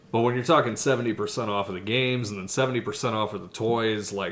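Using an ordinary speaking voice, a man at medium pitch talks at a moderate pace with ordinary pitch variation. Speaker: podcast co-host. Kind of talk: casual chat.

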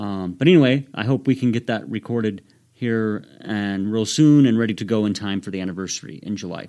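Over a silent background in a very clean recording, a man with a fairly low pitch and a dark, mellow tone talks at a fairly quick pace with ordinary pitch variation. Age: young. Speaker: history podcast host. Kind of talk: scripted narration. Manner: frequent filler ums.

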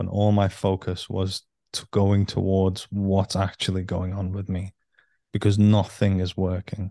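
A man speaks at a fairly low pitch and a fairly slow pace. His tone is dark and mellow against a quiet background. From UK. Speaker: healer and spiritual teacher. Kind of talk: casual interview. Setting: video call.

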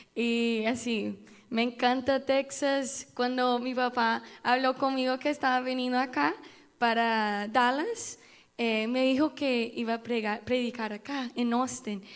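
Speaking very slowly with a Portuguese accent, a woman keeps a high pitch and fairly even intonation. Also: very clean recording, silent background. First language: Portuguese (speaking Spanish). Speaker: student. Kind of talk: church greeting. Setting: church. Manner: halting.

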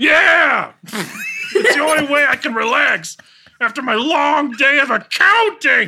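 Someone shouts in a put-on character voice. The pitch is high. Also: fairly slow pace. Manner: shouting, whiny.

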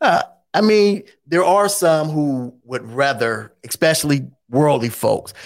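The speaker has an unremarkable speaking voice with an American accent. The pace is fairly slow. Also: man, fairly high pitch for a man. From Ohio (Youngstown). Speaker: church musician and podcast co-host. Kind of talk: casual chat.

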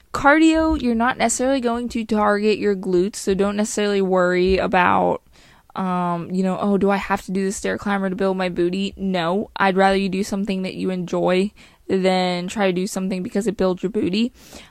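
An ordinary speaking voice, a woman at medium pitch with ordinary pitch variation and a fairly quick pace, on a very clean recording with a silent background. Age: 20s. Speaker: fitness trainer and podcast host. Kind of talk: casual solo podcast monologue. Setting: late night home recording. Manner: chatty, frequent fillers and laughs.

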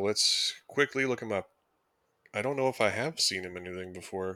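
In a very clean recording with a silent background, a man talks at a moderate pace. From Vancouver, Canada. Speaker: podcast host. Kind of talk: casual chat, movie review podcast.

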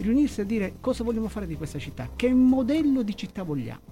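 A man speaks at a very fast pace with a dark, mellow tone. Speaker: mayoral candidate. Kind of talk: interview. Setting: studio.

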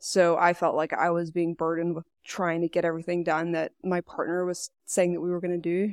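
A woman with an Irish accent speaks in a dry, close sound with no echo. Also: very clean recording, silent background. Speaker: entrepreneur and business founder. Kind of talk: interview conversation.

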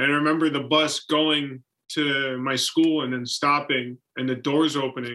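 This man has a US Midwestern accent and a bright, sharp tone at a fairly high pitch. His intonation is monotone and flat, at a moderate pace. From Iraq. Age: 20s. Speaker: physical therapist aide. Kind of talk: personal storytelling in interview.

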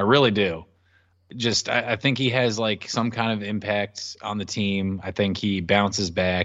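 With a plain, everyday voice, a man speaks at a moderate pace, his pitch fairly low and his intonation fairly even. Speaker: fantasy football podcast host. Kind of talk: casual chat. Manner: playful.

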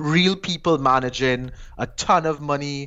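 A man's voice with a Trinidadian accent and fairly even intonation. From Trinidad and Tobago. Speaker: tech startup founder. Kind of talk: interview.

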